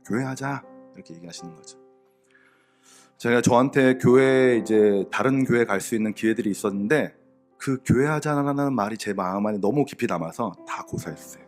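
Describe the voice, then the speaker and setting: A middle-aged man, a pastor, gives a sermon and shares a personal testimony in a candid, conversational way, with fillers and soft laughs. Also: lowish voice, a little fast, faint music behind.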